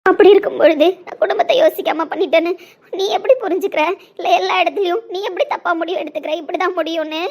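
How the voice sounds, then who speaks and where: A woman's voice: very high-pitched, steady tone, quick pace. A woman voicing a young woman desperately in love, pleading and repeating herself in an emotional audio drama. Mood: hurt. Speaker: lead character in an audio drama.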